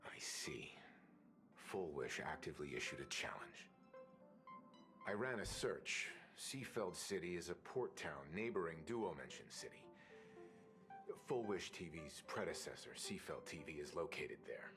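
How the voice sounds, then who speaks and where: An actor playing a calm, serious, analytical man in a video game, speaking in a measured way. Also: sits low, music in the background. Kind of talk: scripted game dialogue.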